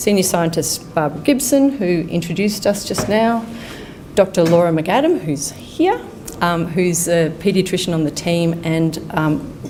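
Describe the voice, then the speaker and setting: A woman with an Australian accent and fairly low pitch, ordinary pitch variation, and a moderate pace, amid audible room echo and noticeable background noise. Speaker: researcher and physiotherapist presenting. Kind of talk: research presentation.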